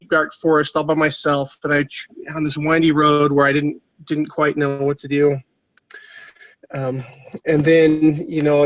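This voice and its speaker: A man with a fairly high voice, a little raspy from a passing cold, leads a motivational team training. He talks haltingly, full of ums and restarts. The recording is dry and a bit dull. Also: fairly bright tone, no echo. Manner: halting, many fillers and restarts. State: getting over a cold, slightly raspy.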